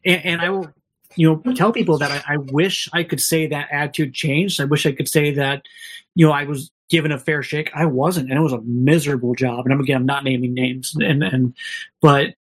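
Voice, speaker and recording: A man with a slightly high voice tells stories as a podcast guest. He speaks candidly, rambles and restarts often, and acts out other people's lines as he goes. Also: fairly even intonation, brisk, breathy edge. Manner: candid, rambling, many restarts and quoted dialogue. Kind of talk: casual storytelling.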